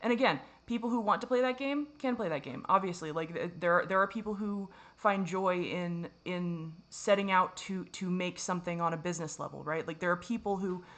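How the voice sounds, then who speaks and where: A woman's voice: fairly low pitch, fairly quick, few pauses, a bit bright. A woman vlogger speaking to camera in a rambling, self-critical confessional monologue, swearing often and restarting her sentences.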